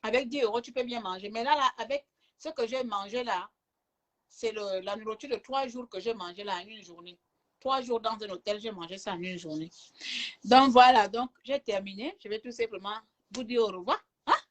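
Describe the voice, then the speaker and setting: A chatty woman films a casual vlog from her hotel room, her voice sitting a little high. She teases and laughs easily as she talks straight to the camera. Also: normal speed. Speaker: travel vlogger.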